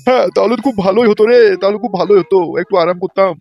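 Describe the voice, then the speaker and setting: A man's voice: high-pitched, rapid-fire, vocal fry, a little mellow, muffled recording, soft background music. A man voicing a gluttonous, self-satisfied old grandfather in a comedy cartoon. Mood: aching, pleading.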